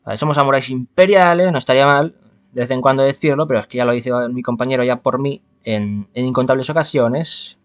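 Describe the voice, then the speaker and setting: A man's voice: medium pitch, fast talker. A man from reads a visual novel aloud, adding casual, wry commentary as he goes. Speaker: gaming streamer.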